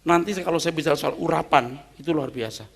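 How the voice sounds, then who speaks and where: A man preaching a sermon as pastor, emphatic, jumping from loud exclamations to soft asides. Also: on the high side, fast talker, creaky.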